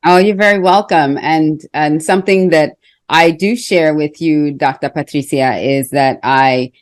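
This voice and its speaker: A woman from Trinidad hosting an interview, chatty and quick to laugh. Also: sits low, dry recording. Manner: chatty, laughs between phrases. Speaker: host. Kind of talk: casual interview.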